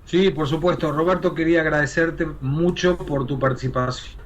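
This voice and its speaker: A man from Argentina with an Argentine accent, co-hosting a radio talk show in a polite, measured way. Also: a little high, steady tone, highs cut off, a little hiss or hum. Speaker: radio co-host.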